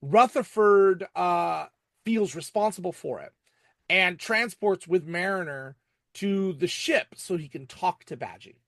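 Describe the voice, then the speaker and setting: A man hosting a casual podcast recap, talking in a halting way and often repeating words as he goes. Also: high voice, expressive, creaky, a bit bright, no echo, clean studio sound. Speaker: podcast host reviewing TV episodes. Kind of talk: casual episode recap and commentary.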